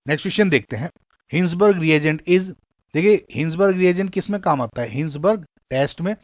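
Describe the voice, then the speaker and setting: A man's voice: on the high side, expressive, brisk, no room sound, clean studio sound. A man with an Indian accent explaining chemistry exam questions in a conversational way, often addressing the viewers as guys. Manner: conversational, mixes English terms, addresses "guys". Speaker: chemistry teacher.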